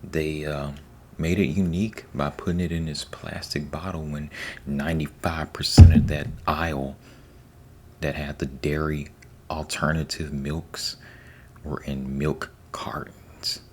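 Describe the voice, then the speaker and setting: Casting: male ASMR host, extremely low voice, soft and half-whispered, slow rambling delivery. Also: level tone, slight background noise. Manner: unhurried, rambling, repeats himself.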